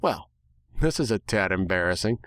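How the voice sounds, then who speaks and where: A man's voice: low voice, animated, moderate pace, a bit bright, dry recording. Man doing a polite, bookish female pony. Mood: embarrassed. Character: bookish purple female pony, coy and hesitant.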